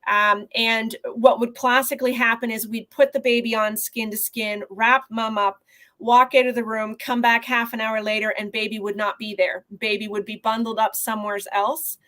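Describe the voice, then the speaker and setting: A woman neonatologist from Canada answering interview questions over a video call in an earnest, measured way. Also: fairly high pitch, level tone, bright, forceful tone. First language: not Portuguese. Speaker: neonatologist guest.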